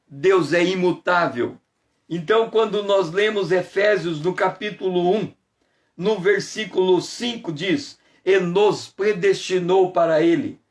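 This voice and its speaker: A man giving a conversational morning devotional sermon as a pastor, playful and teasing, greeting viewers by name and slowing down to stress key phrases. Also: high voice. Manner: slows down and stretches phrases for emphasis.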